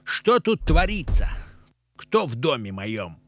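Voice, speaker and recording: Gruff, swooping master of the house. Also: male voice, a little high, sing-song, takes it slowly, noisy background, full character voice. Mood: indignant. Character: gruff male master of the house, fair-minded magical elder. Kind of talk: children's cartoon acting. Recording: music behind the voice.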